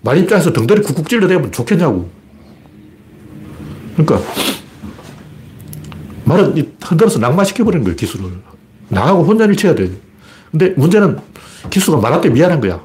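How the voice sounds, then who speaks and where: A man's voice: fairly high pitch, very animated, brisk, long pauses, darkish tone, slight background noise. A man hosting his own commentary broadcast, talking in a blunt, colloquial and argumentative way with many rhetorical questions. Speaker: political commentator.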